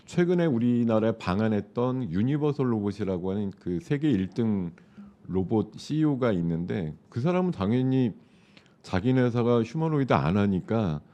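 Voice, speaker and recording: A low, mellow-toned man with a sore throat talks through market trends like a stock commentator on a live show. His delivery is loose and explanatory, full of fillers, and the audio is dull and lo-fi. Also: lively intonation, normal speed.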